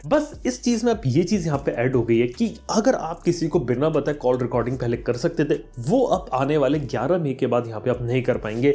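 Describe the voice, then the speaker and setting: A male tech YouTube host with a warm, medium-pitched voice chats through his explanations, talking directly to the audience. English terms pop up throughout his conversational commentary.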